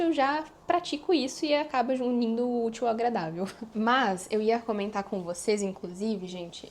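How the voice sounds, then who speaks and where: A young woman talks straight to her viewers in a relaxed vlog chat. Her voice sits a little high, and she speaks in an animated, friendly rush, often calling out to her audience. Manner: chatty, animated, addresses viewers as "gente". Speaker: vlogger. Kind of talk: casual chat to camera.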